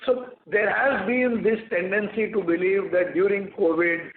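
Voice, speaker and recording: A man with an Indian accent answering investor questions as a company executive, in measured, hesitant phrasing with frequent pauses. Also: high voice, steady tone. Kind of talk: earnings call answers. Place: conference call line. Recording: echoey, muffled conference call audio.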